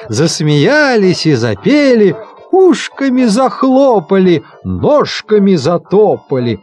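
A man reading a children's nonsense poem aloud in a playful, expressive way, acting out animal noises. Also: high voice. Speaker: storyteller.

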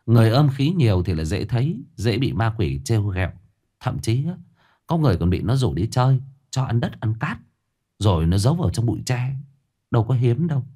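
A man voicing a calm, knowing woman of about forty, a spirit medium, who explains things in a matter-of-fact way in a spoken ghost story. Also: mid-range voice, brisk. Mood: explaining.

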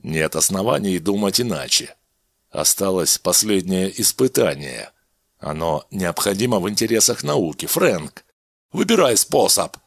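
A man voicing a cold, calm male doctor who speaks in measured, commanding phrases, with a husky voice, in a storybook reading. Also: low-pitched, no echo, clean studio sound, exaggerated voice. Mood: clinical.

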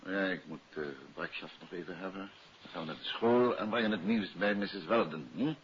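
Man playing a composed low-voiced radio detective. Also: fairly quick, close to an everyday voice. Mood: patient. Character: composed, courteous male private detective, faintly wry. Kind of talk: 1950s radio detective drama acting. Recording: muffled, hissy old radio recording.

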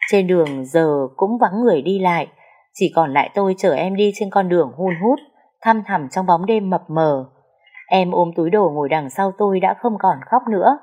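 A woman's voice: lowish voice, moderate pace, warm tone. A woman narrating a sad first-person story in an emotional, lyrical way.

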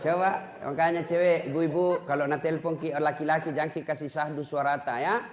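A man's voice: on the high side, a little fast. A middle-aged man, preaching a humorous sermon to a mosque gathering and teasing his listeners. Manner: joking, lively, teasing the audience.

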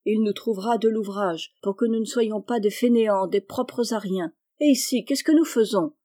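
A woman's voice: mid-range voice, moderate pace, mellow, lightly acted. A woman voicing an earnest, kindly young boy. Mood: coaxing. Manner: coaxing, earnest pleading. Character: kind earnest young boy, patient and cheerful. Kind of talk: audiobook reading.

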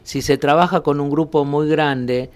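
Smooth-voiced man explaining calmly. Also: on the high side, measured pace. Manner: calm, explanatory, laughs easily. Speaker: guest, movement therapist. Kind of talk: casual radio interview. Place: radio studio.

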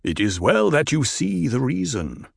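A man voicing a gruff, blustering desert tribal leader who bellows insults. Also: medium pitch, wildly swooping pitch, measured pace, no echo, studio quality, voice pushed up, full character voice. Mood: stern.

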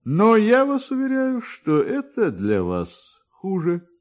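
A man's voice: high voice, wildly swooping pitch, slow pace, a little mellow, dull audio, pitched above the performer's own voice, full character voice. A man voicing a dignified, self-important doctor with a courteous, unctuous, persuasive manner, in a classic radio drama. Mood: dismissive.

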